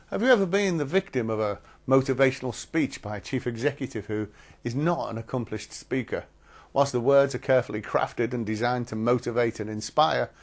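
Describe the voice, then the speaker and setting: Male presenter for instructional film, mid-pitched voice, articulate and measured scripted delivery.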